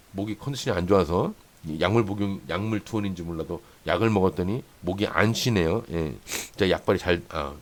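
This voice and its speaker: A man hosting a stock trading channel, walking viewers through a chart and repeating points for emphasis. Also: fairly low pitch. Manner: explanatory, points along a chart with many "here" and "this much"; repeats phrases for emphasis, asks "right?" often. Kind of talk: chart-analysis lesson for day traders.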